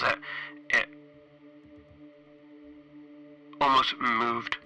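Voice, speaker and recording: Stranded male ship's engineer, played by a man: weary, frightened, halting log delivery, very sharp flat-pitched voice, faint music behind. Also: vocal fry, exaggerated voice, rough recording. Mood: uneasy, haunted. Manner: hesitant, halting, broken phrasing. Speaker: solo role-playing game player. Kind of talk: halting in-character audio log.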